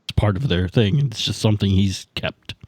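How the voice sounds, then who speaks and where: A man chatting casually as a player on a game podcast, joking in a halting way. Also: fairly low pitch, a little mellow, no echo, clean studio sound. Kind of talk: casual chat.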